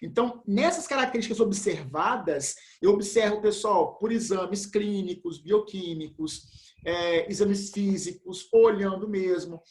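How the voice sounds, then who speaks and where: This remote biology lesson comes from a man with a high voice who keeps a measured pace. He's casual and slangy, peppering his chatty explanation with "velho" and "pessoal," and the room he's in echoes.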